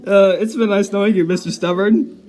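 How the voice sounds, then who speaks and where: A man voicing a quiet, timid storybook character, meek, nervous and hesitant, in a playful dramatic reading. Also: high voice, steady tone, fairly quick, lightly acted. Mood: meek worry.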